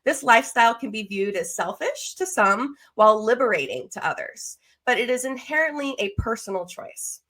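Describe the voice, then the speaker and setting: A woman's voice: on the high side, expressive, normal speed, few pauses, a bit bright. A woman in her thirties with an American accent, chatty and enthusiastic as she hosts a conversational interview podcast. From Las Vegas, United States. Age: 30s. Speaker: podcast host.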